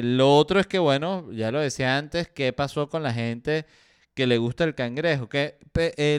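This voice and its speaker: Smooth-voiced Venezuelan man joking on a podcast. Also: medium pitch, no echo, studio quality. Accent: Venezuelan Spanish. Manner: joking, acts out quoted voices, lots of fillers. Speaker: podcast host. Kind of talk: casual comedic podcast chat.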